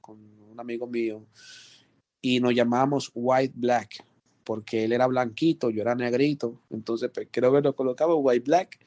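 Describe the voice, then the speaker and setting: Un hombre con acento colombiano, productor musical, cuenta anécdotas en una entrevista de forma animada, imitando voces. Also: male voice, mid-range voice, normal speed, no echo. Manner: animated, acts out quoted voices. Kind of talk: casual storytelling interview.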